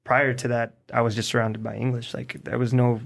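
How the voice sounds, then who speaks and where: A laid-back man talks casually as a guest on a podcast. His voice is gravelly and mid-pitched. He speaks in a flat, even tone, drifting from thought to thought. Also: a little fast. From Mexico–US border, Nogales. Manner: relaxed, rambling, many "like"s. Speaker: podcast guest, singer-songwriter. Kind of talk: casual chat.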